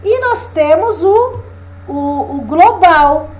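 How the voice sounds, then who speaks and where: A woman's voice: very high-pitched, animated, drawn-out words, darkish tone. A woman teacher, giving an exam review lesson and often checking in with her listeners. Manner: explanatory, checks in with "né?" and "tá?".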